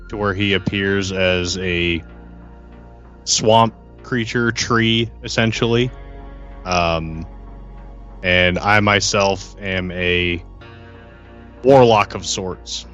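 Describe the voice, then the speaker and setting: A man playing a guarded warlock lawman in a tabletop game, with halting, formal speech. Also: fairly low pitch, bright, forceful tone. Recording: dull sound with faint music.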